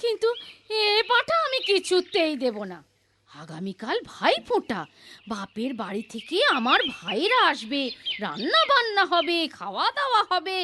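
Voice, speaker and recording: A feisty cartoon village housewife, speaks extremely high with big swoops of pitch. She is firm and emphatic, on a noisy soundtrack. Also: huge pitch swings, moderate pace, full character voice. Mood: firm, scolding. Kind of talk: cartoon voice acting.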